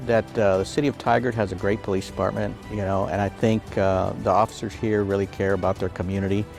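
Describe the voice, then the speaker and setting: A man in his fifties, a veteran police officer, speaking in a measured, thoughtful way with pauses and fillers in an interview. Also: on the low side, flat delivery, creaky, darkish tone, soft background music. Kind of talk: recruitment video interview.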